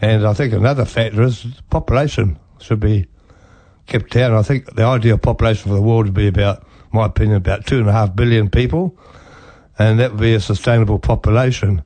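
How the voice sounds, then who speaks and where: A man's very fast, fairly low voice, somewhat breathy, with a dark, mellow tone, ordinary pitch variation and very even loudness. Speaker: regular correspondent. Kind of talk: opinion talk segment.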